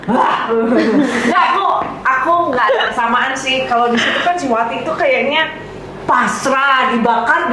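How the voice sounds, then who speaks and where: A woman's voice: high-pitched, bright, forceful tone. A woman actress chatting casually in a promotional interview, often laughing as she talks. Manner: chatty, laughs while talking. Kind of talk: casual chat. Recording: very echoey room, faint noise.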